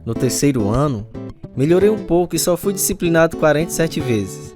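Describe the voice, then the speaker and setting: A man's voice: fairly high pitch, lively intonation, fairly quick, over music, close to an everyday voice. A man acting in a radio drama as a man telling the story of his mischievous, sporty youth. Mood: reflective. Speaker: narrator and lead actor. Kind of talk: dramatized first-person radio narration.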